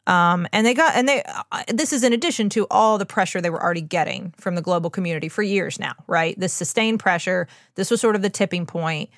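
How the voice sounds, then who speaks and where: A woman's voice: lowish voice, fast talker, hardly any pauses, no echo, clean studio sound. A woman hosting a podcast as a doctor, explaining in an earnest, informal way with emphatic asides. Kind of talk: conversational explainer on medicine.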